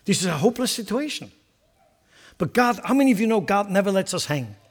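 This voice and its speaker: High-voiced man preaching a sermon. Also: sing-song, fairly quick. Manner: impassioned, repeats words while building emphasis. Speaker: pastor.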